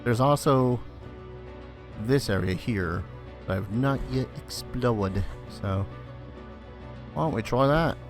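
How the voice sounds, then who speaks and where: A man's voice: medium pitch, slow, pauses often, over music. A man giving casual let's play commentary, musing aloud in a dry, mildly irreverent way. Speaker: gaming video host.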